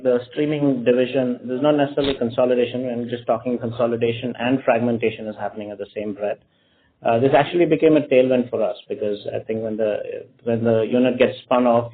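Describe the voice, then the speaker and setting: A man's voice: medium pitch, husky. A man, a company executive, answering an analyst's question on an earnings call with many hesitations. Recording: tinny phone line.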